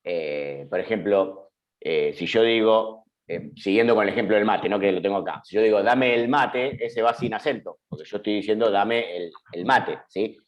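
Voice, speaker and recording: A man leads a class on a video call. He is middle-aged and explains things slowly and patiently, often stopping to ask whether his students are with him. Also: on the low side, highs cut off. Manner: patient, explanatory, checks in with frequent "¿sí?". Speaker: journalism teacher. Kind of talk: online class lecture. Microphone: computer mic on a video call.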